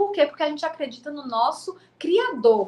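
Her intonation is lively. This woman speaks with a high pitch. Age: 30s. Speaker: church Bible study teacher. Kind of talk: Bible study lesson. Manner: conversational.

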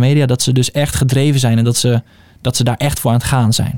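Moving at a fairly quick pace, this man has an unremarkable speaking voice. His pitch is medium and his intonation fairly even. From Netherlands, Groningen. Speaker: musician and producer. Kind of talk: casual chat.

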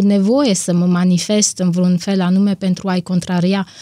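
A woman speaks at a moderate pace with a dark, mellow tone and a medium pitch. Her intonation is flat and monotone. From Romania, Muscel area. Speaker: perfumer. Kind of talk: interview.

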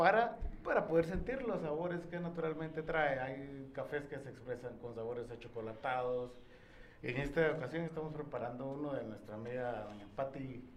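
A man speaks at a moderate pace and fairly high pitch with ordinary pitch variation. Audible room echo and noticeable background noise surround him. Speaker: coffee shop owner. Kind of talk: casual chat. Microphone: far from the mic.

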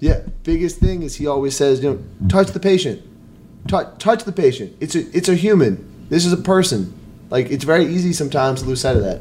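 Fairly high in pitch, a man's voice has a dark, mellow tone and vocal fry. He talks at a fairly quick pace with lively intonation. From US Northeast, tri-state area. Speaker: medical resident. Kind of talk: casual chat. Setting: studio.

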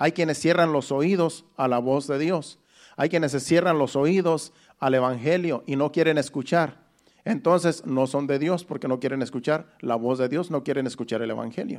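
On a very clean recording with a silent background, a man speaks at a moderate pace in a fairly high pitch with ordinary pitch variation. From Mexico, rural. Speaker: pastor. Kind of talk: sermon. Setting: church.

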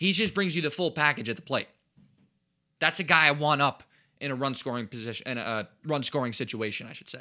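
Speaking with an American accent in a bright, sharp tone, a man at a fairly high pitch talks at a very fast pace with lively intonation and long, frequent pauses, on a very clean recording with a silent background. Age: 20s. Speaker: sports podcast host. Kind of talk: solo sports commentary podcast.

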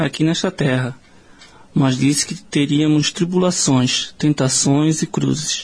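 Fairly slow, fairly even speech from a man at a fairly high pitch, with noticeable background noise. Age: 30s. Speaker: logistics worker. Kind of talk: reading aloud.

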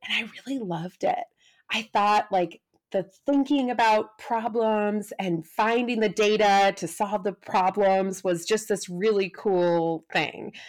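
In a very clean recording with a silent background, a woman with an American accent speaks at a fairly slow pace and medium pitch with ordinary pitch variation. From US Midwest, Wisconsin. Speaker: speech-language pathology professor. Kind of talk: casual interview.

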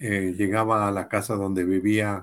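A man's fairly low voice at a fairly slow pace, flat and monotone, on a very clean recording with a silent background. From Mexico, Veracruz (Cerrillos de Díaz). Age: 70s. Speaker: harpist and harp maker. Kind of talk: interview.

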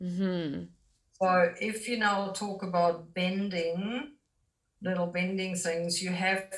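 Somewhat breathy, a woman speaks at medium pitch and a very slow pace. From Germany. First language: German. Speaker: horse trainer and vet. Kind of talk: casual interview.

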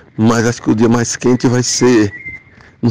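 A man at a medium pitch over noticeable background noise. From sertão of Pernambuco, Brazil. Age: 50s. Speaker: radio listener sending voice message. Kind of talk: casual voice message.

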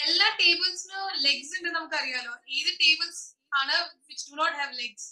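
A woman's raised, projected voice at an extremely high pitch. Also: ordinary pitch variation. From grew up outside Kerala, studied in Delhi. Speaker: chat show host and author. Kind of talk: casual interview chat.

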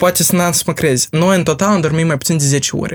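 Ordinary pitch variation marks speech heard in a very clean recording over a silent background. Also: man. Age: 20s. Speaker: agritech entrepreneur. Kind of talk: interview.

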